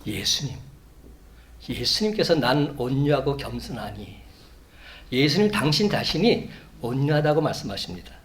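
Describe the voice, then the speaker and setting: A man preaching a Sunday sermon as a pastor, measured, building to emphatic peaks. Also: medium pitch, big pitch swings. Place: church sanctuary.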